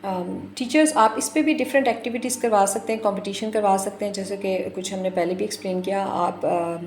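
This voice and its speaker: A woman recording a lesson for primary teachers, repeating each word slowly and mixing English with Urdu. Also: medium pitch, soft background music. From Pakistan. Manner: slow and deliberate, repeats words and mixes English with Urdu.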